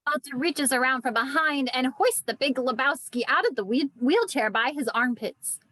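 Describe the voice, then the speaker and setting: A woman's voice: high-pitched, moderate pace, bright, forceful tone, no echo. A woman narrating screenplay stage directions in a virtual table read.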